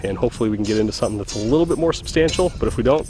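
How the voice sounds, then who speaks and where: A man in his thirties hosting a casual fishing vlog, talking excitedly to a camera held at arm's length outdoors on a small river boat. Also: medium pitch, very fast, over music. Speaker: host of fishing channel. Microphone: handheld camera at arm's length.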